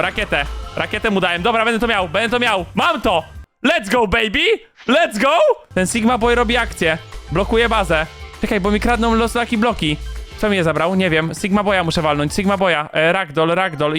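A man giving excited, rapid game commentary, repeating phrases and breaking into shouts as he plays. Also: sits high, soft background music. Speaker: gaming YouTuber.

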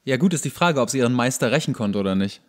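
A man's voice: mid-range voice, expressive, fast. A young man hosting a podcast, commenting casually on a TV show in a dry, sarcastic, colloquial way. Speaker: podcast host.

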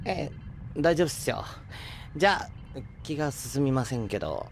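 A man's voice: mid-range voice, lively intonation, moderate pace, creaky, slight background noise. An actor playing an easygoing, deferential junior spaceship crewman with casual politeness in an audio drama. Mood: reluctant. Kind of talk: Japanese audio drama acting.

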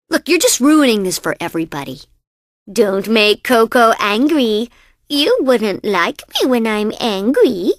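A woman's voice: on the high side, fairly bright tone, no room sound, clean studio sound. A woman voicing a perky, cocky young female bandicoot racer in a video game, with a sassy, boastful, exaggerated cartoon delivery. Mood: irritated. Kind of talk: video game character voice lines.

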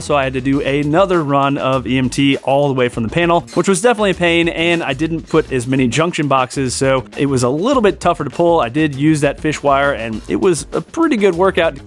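A man in his thirties narrating his workshop build in a casual, practical way, chuckling at himself now and then, filmed in a large basement shop. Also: a little high. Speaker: woodworking channel host. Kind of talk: DIY how-to narration.

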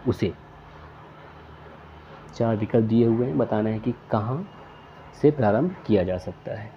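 A male quiz tutor works through exam questions, reading each question and its options aloud before naming the answer. His voice is mid-range, with the highs cut off and a little hiss or hum.

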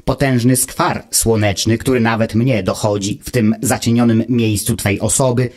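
A man voicing a calm, pedantic male mechanical friend who lectures with cold, measured reasoning, in an audiobook reading of a fairy tale. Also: medium pitch, natural voice. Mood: lecturing.

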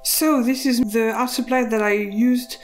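A woman in her thirties with a French accent, casually presenting a sketchbook tour in halting English as an illustrator and channel host. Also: on the high side, fairly even intonation, loud music behind the voice.

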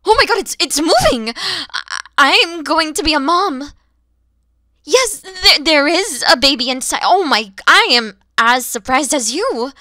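A high, bright and very animated voice for a motherly dragon woman, acted by a woman. She is kind, playful and easily flustered, talking straight to the listener as in an ASMR roleplay. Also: measured pace, no room sound, clean studio sound, heavily acted. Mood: startled, overjoyed. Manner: expressive, teasing, gentle, addressing the listener directly. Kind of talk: ASMR audio roleplay acting.

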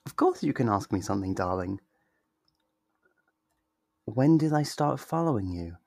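A man's voice: on the low side, expressive, vocal fry, darkish tone, no echo, studio quality. A man playing a sweet, possessive yandere lover in an intimate ASMR roleplay, tender and reassuring. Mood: tender, confessional. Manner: tender, reassuring, slow and deliberate.

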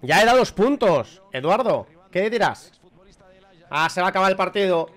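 A man reacting live to a football match as a fan, chatty and excitable, shouting at the big moments. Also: sits high, normal speed.

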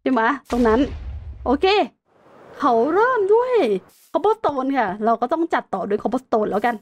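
A woman's voice: high voice, sing-song, unhurried. A woman chatting casually while playing a building game, narrating her moves with playful sound-effect words. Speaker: gaming streamer. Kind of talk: casual Minecraft gameplay commentary.

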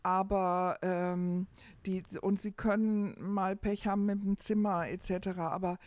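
A woman's voice: mid-range voice, level tone, a little slow, a little mellow, dry recording. A middle-aged woman, talking conversationally as an interview guest and searching for her phrasing as she goes. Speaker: hotel owner, interview guest.

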